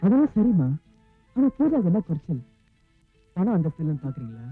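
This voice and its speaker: A man's voice: sits high, sing-song, quick pace, narrow, tinny audio, faint music behind. An actor playing an earnest young man pleading to marry the girl he loves. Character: young rich son in love, earnest. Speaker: young man, only son. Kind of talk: 1990s film drama acting.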